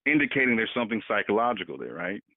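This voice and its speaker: A man's voice: on the low side, big pitch swings, rapid-fire, no echo. A man co-hosting a casual political discussion, talking animatedly and repeating words as he builds his points. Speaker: podcast co-host. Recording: tinny phone-line sound.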